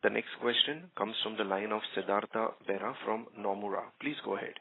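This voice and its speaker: A male conference operator delivers scripted prompts in a creaky, husky voice. The audio is narrow and phone-like. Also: fairly low pitch, brisk. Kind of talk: scripted call moderation. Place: telephone conference call.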